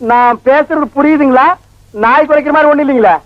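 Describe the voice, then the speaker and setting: A man's voice: extremely high pitch, fairly even intonation, fast talker, no room sound. A man playing a comic villager, talking in a deferential, polite way. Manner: deferential, ends lines with polite -nga. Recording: dull dry lo-fi film soundtrack.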